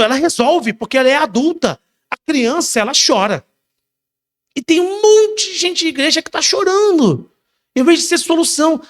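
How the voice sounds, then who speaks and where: A man preaches a sermon. He drives his points home with repeated exhortations. His delivery swings between quiet, low passages and loud, raised ones. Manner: repetitive exhortations. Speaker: pastor.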